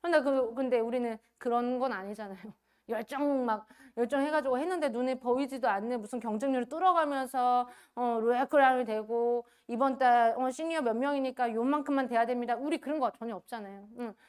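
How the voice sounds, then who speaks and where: A woman giving a motivational business training talk, animated and acting out quoted voices. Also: fairly high pitch, fairly quick, smooth.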